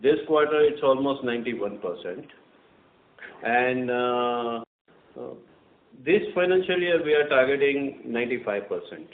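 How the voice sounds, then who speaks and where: A man with an Indian accent answering questions unscripted as a company executive, in a halting, hesitant way. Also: medium pitch, lively intonation. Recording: echoey, noisy narrowband phone line.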